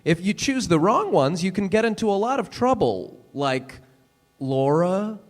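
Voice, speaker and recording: A man performs an earnest big brother in a dramatic monologue, scolding his little brother in a high voice. The pitch swings widely, and the words come slowly and haltingly. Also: sing-song. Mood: earnest, wistful.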